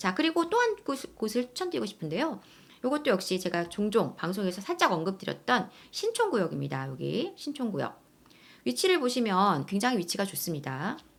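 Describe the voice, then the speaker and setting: A woman at medium pitch and a fairly quick pace, with vocal fry and very wide pitch swings, on a very clean recording with a silent background. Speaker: real estate investment YouTuber. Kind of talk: investment advice talk. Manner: fast.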